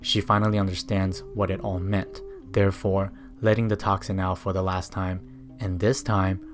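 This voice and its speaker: A video essayist with a low-pitched voice narrates a scripted film essay while music plays in the background. A native Mandarin speaker, he talks in fluent though non-native English, with a reflective, personal tone.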